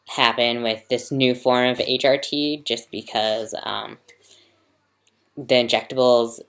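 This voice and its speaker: A young trans man talking in a casual video diary to his computer mic, hesitant with many ums and pauses, sick and yawning. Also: medium pitch, fairly bright tone. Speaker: vlogger.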